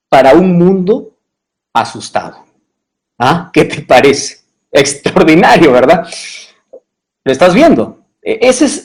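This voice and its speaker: A man preaching as a pastor on a livestream, talking straight to viewers, checking often that they follow and spelling out numbers slowly. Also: fairly high pitch, rough recording. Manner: animated, addresses viewer directly with frequent checks.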